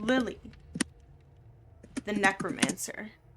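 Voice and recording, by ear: In a booming, put-on character voice, a woman speaks at a medium pitch.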